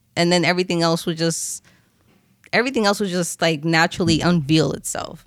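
A woman with a New Jersey accent speaks at a moderate pace and a fairly low pitch, captured in a very clean recording with a silent background. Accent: New Jersey American. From New Jersey, Union City and Clifton. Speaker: music producer and dancer. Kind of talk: casual chat.

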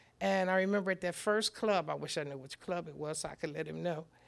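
A woman speaks with an American accent at a medium pitch. She has a normal speaking voice with ordinary pitch variation. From Chester, Pennsylvania (Philadelphia area). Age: 60s. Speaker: singer. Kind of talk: interview. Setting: video call.

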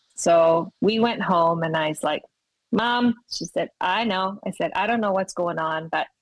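A woman with a Canadian accent has a normal speaking voice at a medium pitch with ordinary pitch variation, and the sound is dry and close with no echo. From Ontario, Canada. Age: middle-aged. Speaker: life coach. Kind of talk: interview.

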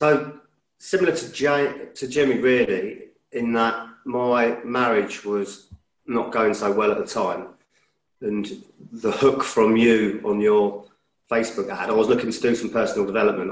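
Speaking at a moderate pace, a man with a southern English accent uses a medium pitch. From Sussex, southern England. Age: 40s. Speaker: military veteran, coaching client. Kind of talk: personal testimony.

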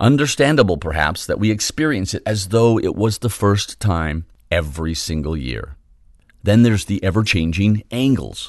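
An ordinary speaking voice from a man, fairly low-pitched with lively intonation, at a moderate pace against a quiet background. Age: 50s. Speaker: podcast host. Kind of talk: scripted narration.

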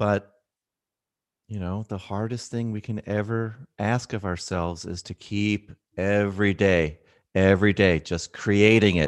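A plain, everyday voice talks at a fairly slow pace with fairly even intonation over a quiet background. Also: man. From Philadelphia, US. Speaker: oncologist and author. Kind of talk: casual interview.

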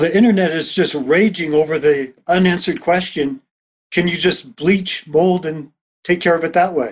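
A man's high voice with ordinary pitch variation. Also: moderate pace. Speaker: podcast co-host. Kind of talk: interview.

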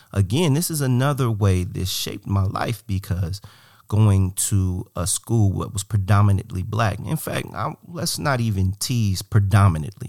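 A man with an American accent talks in a plain, everyday voice at a fairly low pitch. His pitch varies in an ordinary way, on a very clean recording with a silent background. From US Midwest, Cleveland, Ohio. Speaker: barbershop owner. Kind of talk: interview conversation.

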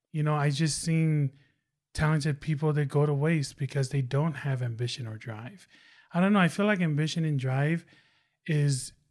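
With a Tongan accent, a man speaks at a moderate pace, somewhat breathy, with ordinary pitch variation. The recording is very clean, with a silent background. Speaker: UX designer and mentee. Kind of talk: casual interview chat.

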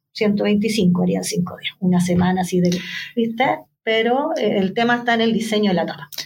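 Speaking with a Chilean accent, a woman uses a medium pitch with ordinary variation at a moderate pace. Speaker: independent publisher and librarian. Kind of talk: interview.

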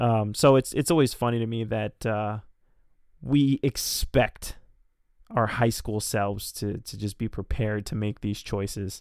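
A man with a plain, everyday voice speaks at a fairly slow pace, his medium pitch held in fairly even intonation. The recording is very clean, with a silent background. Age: 20s. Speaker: podcast co-host. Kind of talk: casual chat.

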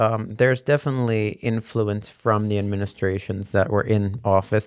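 An ordinary speaking voice from a man in an American accent, fairly low in pitch, fairly even in intonation and fairly quick, on a very clean recording with a silent background. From New Jersey, Monmouth County shore. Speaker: real estate agent. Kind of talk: casual interview.

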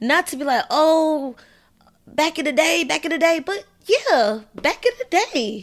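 A woman speaks at a fairly slow pace. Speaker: solo podcast host on astrology and spirituality. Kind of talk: casual solo monologue, partly livestreamed. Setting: live stream on social media. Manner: sweet, nice way of speaking; relaxed, with many fillers.

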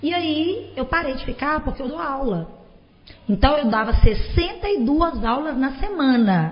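A woman's high voice at a very slow pace, with very wide pitch swings and big swings in loudness. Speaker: teacher and football commentator. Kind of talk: casual chat. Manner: animated.

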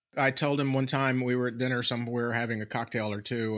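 On a very clean recording with a silent background, a man speaks at a fairly quick pace with a slight Southern US accent. His medium pitch follows fairly even intonation. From Tupelo, Mississippi. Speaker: radio host and podcaster who is a fan of a singer. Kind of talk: casual chat. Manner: chatty, humorous.

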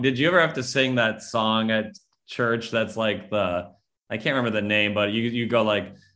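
Medium in pitch, this man's voice carries an American accent. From Minnesota, Twin Cities. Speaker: stand-up comedian. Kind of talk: casual chat.

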